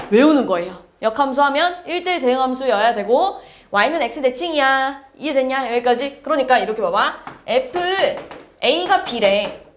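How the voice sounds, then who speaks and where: A woman math teacher lectures a class in a lively way and keeps checking that her students follow. Her voice sits high and swings up and down a lot. The sound is roomy, with faint noise in the background. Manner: lively, checks understanding with quick questions. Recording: echoey classroom.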